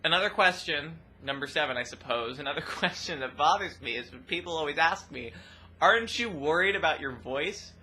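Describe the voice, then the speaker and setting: A young trans woman with a rather deep voice, talking expressively and loudly in a casual personal vlog. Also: brisk. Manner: expressive, loud, laughs often. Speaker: vlogger.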